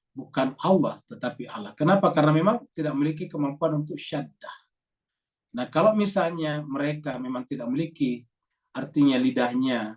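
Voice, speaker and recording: A man teaching a congregation in a patient, explanatory way, often repeating a word and tagging his points with "ya". His voice sits at an ordinary middle pitch. He sounds a little distant, as if he were some way off from the microphone. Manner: explanatory, repeats key words with a stretched "ya". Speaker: Islamic teacher. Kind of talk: religious lecture to a congregation.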